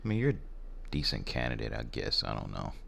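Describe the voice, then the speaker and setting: A soft-spoken American man playing a rude, jaded warehouse hiring manager in an ASMR role-play, blunt, halting and apathetic. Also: a bass voice, sing-song, gravelly, full character voice. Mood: blunt, indifferent. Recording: faint background noise.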